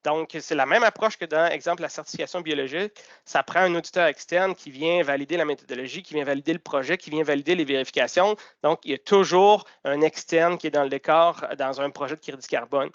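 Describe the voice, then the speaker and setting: A man's voice: on the high side, quick pace, dry recording. Québécois man presenting over a video call. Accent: Québécois French. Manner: explanatory, with frequent fillers and restarts. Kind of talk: webinar presentation. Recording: dull, dry video-call audio.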